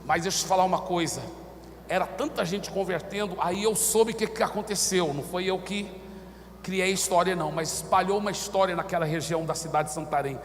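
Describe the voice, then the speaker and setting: A man preaching a sermon as pastor, swinging from shouted exhortation to hushed storytelling. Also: sits high, brisk, big-room sound, slight background noise. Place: church.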